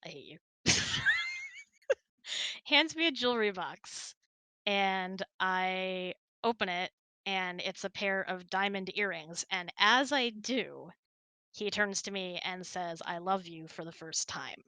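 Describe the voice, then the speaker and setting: A woman's voice: mid-range voice, animated, slow pace, sharp tone, clean tone, no room sound. A woman hosting, chatting casually and telling personal stories in a conversational way. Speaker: host.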